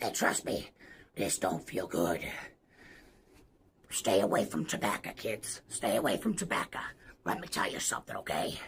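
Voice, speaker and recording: Putting on a character voice, a man speaks at a moderate pace and fairly low pitch, with long, frequent pauses. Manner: warning, lecturing.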